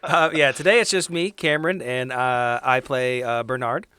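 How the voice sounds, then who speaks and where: A man's voice: medium pitch, fairly even intonation, normal speed, bright, forceful tone, clean tone, dry recording. A man chatting casually as a podcast host and tabletop player, friendly and upbeat.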